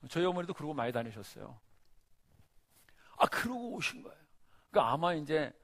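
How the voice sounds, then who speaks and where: A middle-aged male pastor preaching a sermon in a church, telling a story with lively acted-out scenes. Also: a little high, fairly quick, no room sound. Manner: animated storyteller, acts out the scenes.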